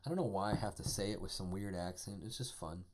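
A man's voice: sits low, fast, a little mellow. A man teaching a live-streamed programming lesson, talking casually and enthusiastically with lots of fillers as he types code. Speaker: programming instructor.

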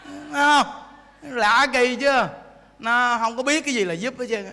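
Male monk, lively folksy sermon, high and bright voice, long reverb of a temple hall. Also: measured pace. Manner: animated, joking, acts out voices, asks the audience. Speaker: Buddhist monk teacher. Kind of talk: folksy dharma talk.

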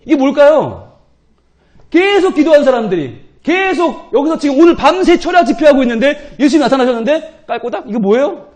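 A man preaches at a church prayer service, with a strikingly high voice for a man. His delivery swings widely in pitch, animated and humorous, as he acts out the doubting thoughts of his listeners. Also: brisk. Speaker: pastor. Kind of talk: sermon.

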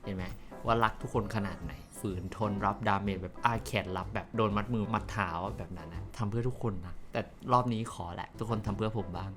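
A man hosting a reaction video, gushing in casual excited commentary with squealing exclamations and frequent laughter. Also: lowish voice, fast, hardly any pauses, music in the background. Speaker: video host reacting to a music video. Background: song playing from the video being reacted to.

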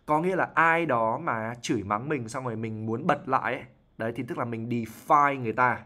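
A man's voice: medium pitch, fairly quick, sharp tone. Man teaching English vocabulary. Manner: explanatory, frequent "right?" tag questions and repetitions. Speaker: IELTS teacher. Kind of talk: lesson explaining English vocabulary from a novel.

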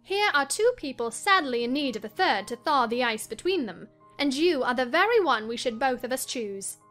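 Woman playing a high, mocking young gentlewoman. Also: sing-song, normal speed, soft background music. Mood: gleeful mockery. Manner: theatrical teasing. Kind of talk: dramatized audiobook reading.

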